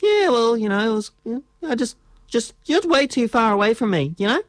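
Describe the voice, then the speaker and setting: A chatty, easygoing lyrebird, played by a woman in a casual in-character interview. The talk comes very quickly with hesitant repeats, in a dry studio sound. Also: fairly high pitch, very animated, no room sound.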